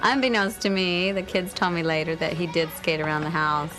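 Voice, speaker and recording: A middle-aged mother recounting in an interview the day her son was hurt, speaking in a measured, earnest way. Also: fairly low pitch, fairly even intonation. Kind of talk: interview recollection. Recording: music bed under voice.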